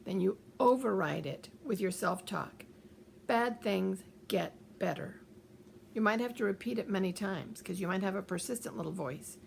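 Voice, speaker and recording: An older woman giving gentle, calm advice, repeating reassuring phrases. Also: mid-range voice, gravelly, slight background noise. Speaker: author giving coping advice. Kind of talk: calm advice talk to camera.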